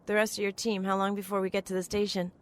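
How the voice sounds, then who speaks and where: A woman's voice: mid-range voice, flat delivery, quick pace, natural voice. Actress as a plucky, frank woman crash survivor. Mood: wry, grateful. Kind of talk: audio drama acting.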